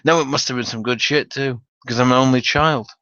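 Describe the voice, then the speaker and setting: A man's voice: mid-range voice, steady tone, brisk, pushed and bright. A man voicing a rambling, profane, eccentric older stoner war veteran in a story reading. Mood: fond, reminiscing. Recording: dull, roomy home recording.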